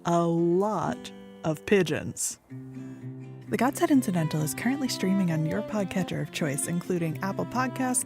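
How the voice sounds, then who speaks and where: A woman narrating a scripted promo for an audio drama. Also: mid-range voice. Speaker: trailer announcer.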